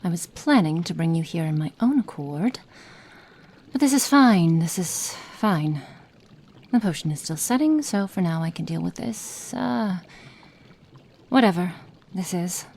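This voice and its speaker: A woman's voice: fairly low pitch, lively intonation, measured pace, a little mellow, husky, full character voice. A woman voicing a stern, impatient witch in an ASMR roleplay, giving curt commands and muttering whispered notes. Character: stern, impatient adult female witch experimenter. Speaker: roleplay performer.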